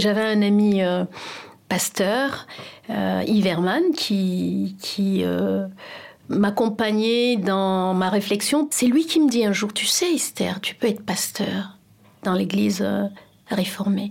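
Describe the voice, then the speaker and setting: A very slow-paced woman's voice at a medium pitch. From Cameroon. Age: 40s. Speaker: pastor. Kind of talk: testimony. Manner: hesitant, frequent filler sounds.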